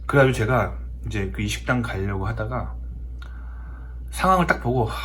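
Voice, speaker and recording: A man's voice: on the low side, normal speed, slight background noise. A man from South Korea talking casually in a storytelling monologue, emphatic and often repeating his words for effect. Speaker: host of a talk show.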